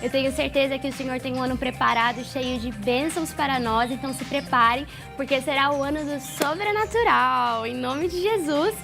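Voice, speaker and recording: A woman's voice: high voice, moderate pace, creaky, hardly any pauses, music in the background. A woman co-hosting a youth gospel TV talk show, bubbly and full of praise. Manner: bubbly, giggles and praises often. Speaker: co-host.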